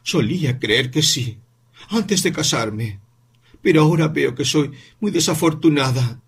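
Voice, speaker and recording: A man voicing a bitter, weary mother in an audiobook reading, answering slowly and with resentment. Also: a little high, animated, vocal fry, slight background noise, pitched above the performer's own voice. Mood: resentful. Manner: slow, bitter, measured replies.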